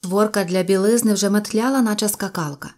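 A woman narrating a children's story aloud with a lively, expressive reading. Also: mid-range voice, brisk. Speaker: audiobook narrator.

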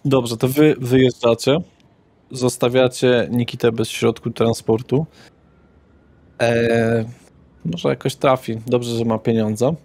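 A man's voice: mid-range voice, fairly even intonation, slow, darkish tone. A man narrating a tabletop roleplaying game as game master, describing scenes with small hesitations.

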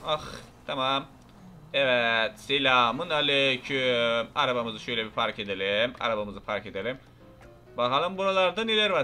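A man's voice: sits high, pushed and bright. A young man giving casual, rowdy gameplay commentary, chatting to viewers and mock-threatening game characters. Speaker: gameplay YouTuber. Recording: faint music behind.

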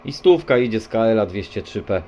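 A man's voice: on the low side, animated, brisk. A man working as a CB radio operator, talking casually as he exchanges contacts over the radio. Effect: CB radio transmission. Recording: muffled, very noisy CB radio recording.

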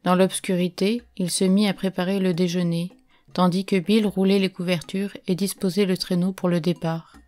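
A woman reading an adventure novel aloud as an audiobook narrator, in a measured, steady way. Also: lowish voice. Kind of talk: scripted narration.

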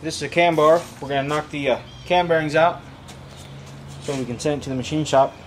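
A man's voice: on the high side, fairly even intonation, brisk. A man giving plainspoken, informal hands-on instructions as a mechanic in a garage workshop. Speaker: mechanic demonstrating an engine teardown. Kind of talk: hands-on how-to narration. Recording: clearly noisy garage recording with clicking.

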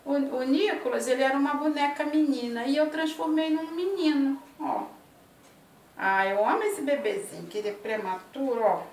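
A woman's voice: high voice, normal speed. A woman in her fifties chatting to camera in her home kitchen, affectionate and talkative, often tagging her sentences with little check-ins to the viewer. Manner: chatty, affectionate, tags lines with "né" and "ó". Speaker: vlogger. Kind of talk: casual chat to camera. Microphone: laptop or webcam at arm's length. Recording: echoey tiled kitchen, mic at a distance.

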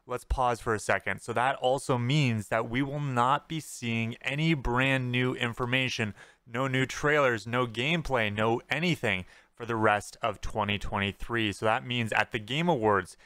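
A young man, slightly hoarse, talking casually and earnestly about gaming news as a channel host, repeating words for emphasis. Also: medium pitch, moderate pace, bright, forceful tone, no echo. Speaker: gaming YouTuber. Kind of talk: casual commentary on game news.

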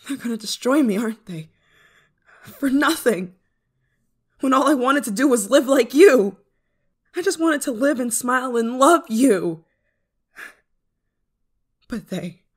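A woman's voice: mid-range voice, close to an everyday voice. Woman acting as a clingy, desperate android lover. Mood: bitter, hurt. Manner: hesitant, halting, emotionally intense delivery. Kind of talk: ASMR roleplay drama monologue.

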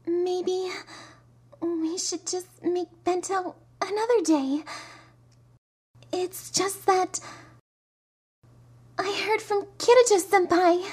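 A woman voicing a timid, gentle schoolgirl in an anime fan dub, hesitant and apologetic. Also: very high-pitched, slow, long pauses. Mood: shy, nervous. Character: timid gentle teenage schoolgirl, hurt but self-effacing.

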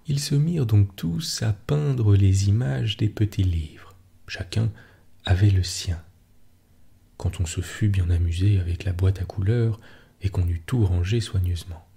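A man reads a bedtime story in a hushed, soothing voice. His delivery is very slow, with a dark, gravelly, breathy low tone. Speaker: podcast storyteller.

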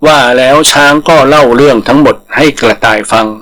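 A man's voice: mid-range voice, a little fast, pushed and bright. A man reading a scripted folktale as a storyteller.

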